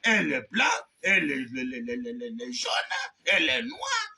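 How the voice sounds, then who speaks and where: A male preacher delivers a fervent, shouted sermon. His voice sits high and rings with a sharp, intense brightness. He swings from loud high cries down to low murmurs and punctuates his points with repeated amens. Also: huge pitch swings, unhurried, vocal fry.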